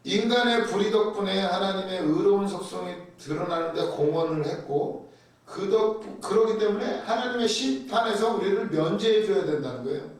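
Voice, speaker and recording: A pastor preaching a sermon. He is animated and keeps putting rhetorical questions to his congregation. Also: sits high, moderate pace. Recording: very echoey hall, mic far off.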